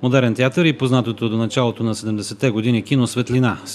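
A fairly quick, medium-pitched male delivery in a normal speaking voice. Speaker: news reporter. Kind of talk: news reading.

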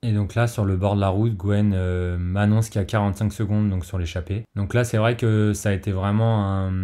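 A man with a fairly low pitch speaks at a moderate pace in a dark, mellow tone, his intonation monotone and flat, with hardly any pauses. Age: 20s. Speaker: amateur cyclist and coach. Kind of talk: race commentary and debrief.

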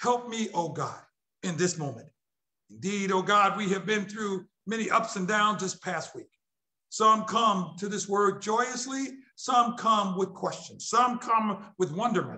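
A man's raised, projected voice with a bright, sharp tone, ordinary pitch variation and a fairly slow pace against a quiet background. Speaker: pastor. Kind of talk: sermon opening prayer. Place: church.

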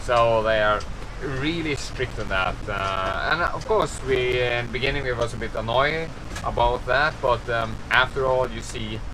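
Noticeable background noise runs under this recording. A man talks at a fairly slow pace. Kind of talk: interview answer. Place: boat. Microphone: phone near.

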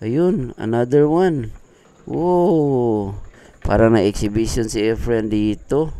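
A man's dark, mellow tone in a dry sound with no echo. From Philippines. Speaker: billiards vlogger and commentator. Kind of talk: live-style sports commentary on a pool match, Taglish, narrating each shot.

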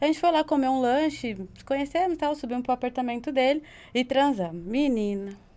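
The speaker has a dark, mellow tone and a rural Brazilian accent. The delivery is fairly quick with lively intonation. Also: woman, high pitch for a woman. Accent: Brazilian countryside accent with strong R. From interior of Brazil. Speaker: adult content creator; podcast guest. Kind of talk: casual chat. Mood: relaxed, playful storytelling. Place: studio. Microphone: studio mic.

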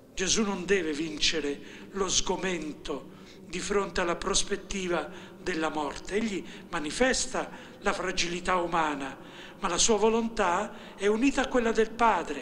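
Light background noise sits behind a man's high-pitched voice with ordinary pitch variation. He moves at a fairly slow pace with long, frequent pauses. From Italy. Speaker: cardinal archbishop giving biblical commentary. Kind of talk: religious meditation, biblical exegesis. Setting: cathedral. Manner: formal. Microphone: podium.

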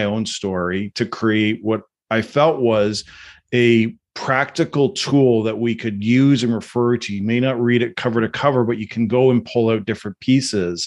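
A voice at a moderate pace with ordinary pitch variation over a quiet background. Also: man. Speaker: author and strategy consultant. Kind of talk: casual chat. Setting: video call. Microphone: video call.

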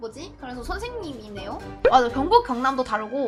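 Music plays behind a woman who speaks at a very fast pace. Her pitch is high and her intonation lively. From Gyeongsang region, South Korea. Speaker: virtual streamer. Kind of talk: casual livestream talk.

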